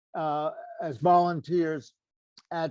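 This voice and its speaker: Over a quiet background, a man with an American accent speaks at a fairly high pitch. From United States. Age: 80s+. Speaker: military veteran, volunteer. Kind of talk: personal report. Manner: halting.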